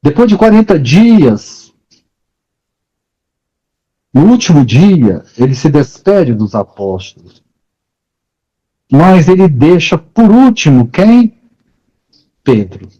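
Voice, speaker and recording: Guy preaching slow, mellow voice, asks questions to the crowd, muffled sound. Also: fairly high pitch, big pitch swings, breathy edge. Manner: rhetorical questions, retelling stories. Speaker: spiritist speaker. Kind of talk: sermon-like storytelling talk.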